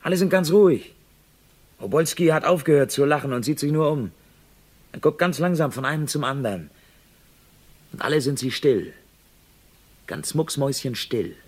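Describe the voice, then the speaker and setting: Excitable reporter in a radio drama, breathless live commentary. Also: male voice, a little high, moderate pace, long pauses, husky. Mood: tense. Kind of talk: radio play acting.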